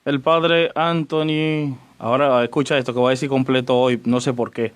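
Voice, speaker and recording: A man, a Catholic parish priest, teaching church doctrine on the radio in a chatty way, greeting listeners by name and pausing on fillers as he explains. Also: medium pitch, fairly even intonation, smooth. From Dominican Republic.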